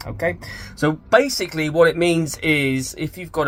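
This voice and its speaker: A man speaking at a moderate pace. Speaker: guitar teacher. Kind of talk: tutorial. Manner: loud.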